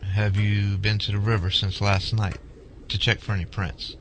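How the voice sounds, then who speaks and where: A courteous, methodical male investigator voiced by a man in an audio drama. His voice sits on the low side and his questioning is businesslike. There is faint noise on the recording. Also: flat delivery, moderate pace, a bit bright, close to an everyday voice. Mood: polite, inquiring. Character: polite, methodical male Bigfoot researcher leading an interview. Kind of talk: amateur audio drama acting.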